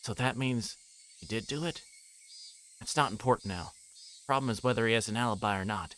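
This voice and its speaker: A man livestreaming a visual novel, reading its text aloud and breaking into casual, rambling commentary as he thinks out loud. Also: mid-range voice, brisk, slight background noise.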